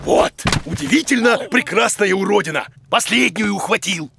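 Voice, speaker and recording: A man's voice: sits high, expressive, moderate pace, creaky, noisy background, exaggerated voice. A man voicing a bumbling, boastful monster teacher in a children's cartoon, exclaiming and mangling words. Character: bumbling, boastful big monster who plays teacher, male.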